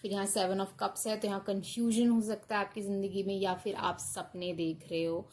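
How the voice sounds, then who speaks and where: A woman's voice: medium pitch, flat delivery, brisk, a little mellow, a little hiss or hum, low-quality recording. A woman doing a casual tarot card reading, reassuring her listeners and mixing in English. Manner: reassuring, often checks in with "okay" and mixes in English.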